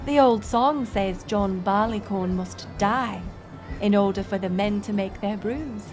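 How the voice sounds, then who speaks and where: In a lightly acted romantic audio roleplay addressed to the listener, a woman plays a playful, curious village woman using archaic thee-and-thou English. Her medium-pitched, darkish voice is slow and musing, teasing yet puzzled, with faint music in the background.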